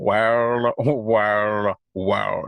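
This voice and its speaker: A man puts on a nasal character voice. It sits at a medium pitch. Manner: playful, mimicking.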